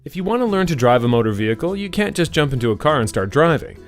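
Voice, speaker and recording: A voice-over artist, male, reads scripted demo copy for commercials, explainers and narration, with a polished, articulate delivery. His voice sits on the high side and moves quickly in a sing-song way, with a music bed playing underneath.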